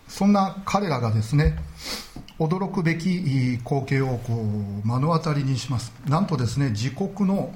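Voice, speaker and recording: A pastor delivers a sermon in an earnest, measured way, often padding his sentences with small filler words. His voice is mid-range with a darkish tone.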